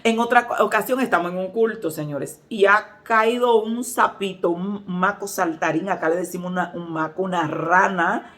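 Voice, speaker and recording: A woman pastor with a Dominican accent, preaching a sermon and telling lively personal stories. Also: medium pitch, normal speed. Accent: Dominican Spanish. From Dominican Republic. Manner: lively storytelling, acts out quoted voices.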